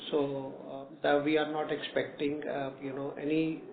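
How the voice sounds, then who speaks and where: A man's voice: a little high, little pitch movement, moderate pace. A man answering as a company executive in a hesitant, filler-heavy way. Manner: hesitant, peppered with "you know". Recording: echoey noisy phone line.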